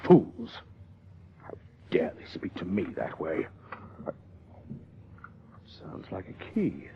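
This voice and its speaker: A man's voice: deep voice, huge pitch swings, takes it slowly, highs cut off, slight background noise, exaggerated voice. An actor playing a vain, arrogant male Broadway star with a pompous, theatrical delivery in an old radio drama. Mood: indignant.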